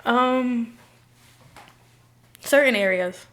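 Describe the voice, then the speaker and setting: A woman's voice: fairly high pitch, extremely slow, a bit bright. A woman answering casually in an interview, hesitant and peppering her words with "like".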